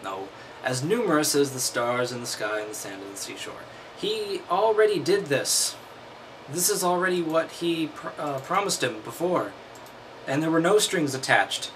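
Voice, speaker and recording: A man's voice: medium pitch, noisy background. A man reading aloud and breaking off into wry, mocking commentary. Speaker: host.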